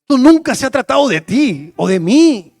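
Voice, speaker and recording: A male pastor preaching with passion, swinging between loud declarations and hushed, prayerful asides. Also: very high voice, big pitch swings, moderate pace, dry recording, studio quality. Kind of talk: sermon.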